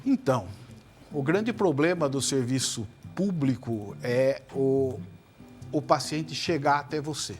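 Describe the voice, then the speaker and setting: A man, a head and neck surgeon, giving measured explanations in a TV interview. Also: medium pitch, lively intonation, a little mellow, soft background music. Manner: measured, many tag questions. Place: TV studio.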